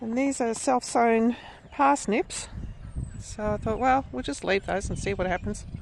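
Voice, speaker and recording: A woman with an Australian accent at a fairly slow pace. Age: old. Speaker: home gardener. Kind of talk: casual garden tour talk to camera. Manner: quiet.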